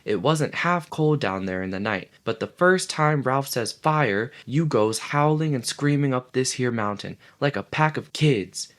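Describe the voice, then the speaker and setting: A man's voice: moderate pace, few pauses, sharp tone. A man voicing a whiny, indignant schoolboy. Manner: high strained pleading voice, breathless. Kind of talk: audiobook character reading.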